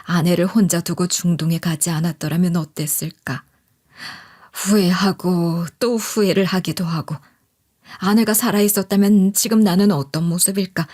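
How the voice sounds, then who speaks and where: A woman's voice: fairly low pitch, steady tone, normal speed, darkish tone. A woman reading a scripted first-person life story as a narrator.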